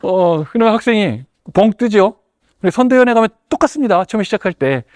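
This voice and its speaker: Animated man giving a teacher workshop. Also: sits high, quick pace, no echo, clean studio sound. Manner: acts out classroom exchanges in varied voices. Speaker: head teacher presenting to teachers. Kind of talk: lively teaching workshop talk.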